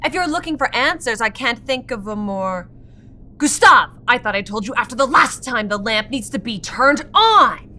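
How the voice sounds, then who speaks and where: A woman's voice: a little high, lively intonation, normal speed, pushed and bright. A woman playing a haughty, wealthy villainess who talks with condescending, menacing politeness in a comedy drama. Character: haughty, imperious wealthy villainess flaunting superior technology.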